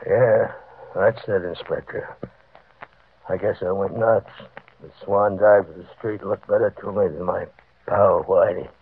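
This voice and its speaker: A man's voice: low voice, fairly even intonation, measured pace, long pauses, breathy edge, heavily acted. An actor playing a desperate, hunted small-time hood, telling his story in slangy, fatalistic tough-guy style in a 1940s radio drama. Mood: weary, bitter. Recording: tinny vintage radio recording.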